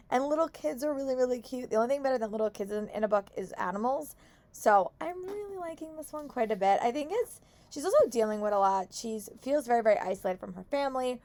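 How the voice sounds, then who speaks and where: Hoarse, gravelly-voiced young woman vlogger. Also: fairly high pitch, no echo. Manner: chatty, upbeat, lots of "like" and restarts. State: hoarse from talking at work. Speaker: book vlogger. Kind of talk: casual vlog check-ins.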